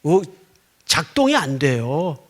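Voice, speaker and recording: A middle-aged man preaching a sermon, telling a story with dramatic swings, from loud outbursts to near-whispers, and prompting the congregation for responses. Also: fairly high pitch, big pitch swings, slow pace. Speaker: pastor.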